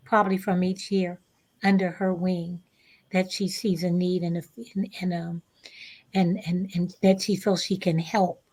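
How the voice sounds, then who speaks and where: A woman's voice: medium pitch, darkish tone. A woman speaking as an interview guest, earnest and emphatic, repeating phrases for weight. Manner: earnest, emphatic, deliberate repetition. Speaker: stage actress, guest. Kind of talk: conversational interview.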